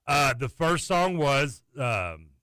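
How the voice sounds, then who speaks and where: A man's voice: mid-range voice, slow pace, no echo, studio quality. A man co-hosting a sports radio show, joking about himself and laughing often. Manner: excitable, self-mocking, laughs often. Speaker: radio co-host. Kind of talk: casual radio banter. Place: radio studio. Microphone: studio microphone.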